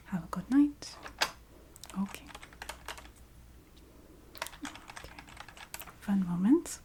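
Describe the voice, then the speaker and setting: A woman playing a courteous, matter-of-fact vampire receptionist in a soft-spoken ASMR roleplay, half-whispering in a put-on Eastern European accent with halting, formal phrasing. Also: mid-range voice, a little hiss or hum, poor audio. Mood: polite, regretful. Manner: halting, formal phrasing with small hesitant hums.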